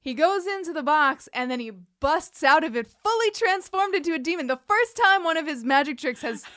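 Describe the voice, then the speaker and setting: Woman co-host, fairly high voice, wry and conversational, recorded close and dry for a recap show. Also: lively intonation, a little fast, bright, forceful tone, no room sound. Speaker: podcast co-host. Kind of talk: casual chat recapping a TV episode.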